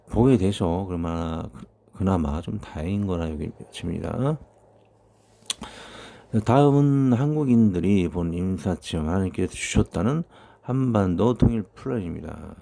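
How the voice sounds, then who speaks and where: Pastor in his fifties, low and gravelly, talks through his sermon casually. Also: warm tone. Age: 50s. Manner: conversational, thinking aloud with many fillers. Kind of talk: sermon reading and commenting on prophecies.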